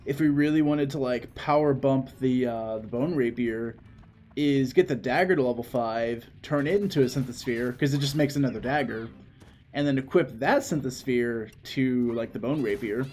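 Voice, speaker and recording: A young man co-hosting a game playthrough, talking casually and haltingly, filling gaps with "like" and "um.". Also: mid-range voice, a little mellow. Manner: halting, hedging, lots of "like" and "dude". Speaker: co-host. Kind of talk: casual gameplay chat. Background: faint game music.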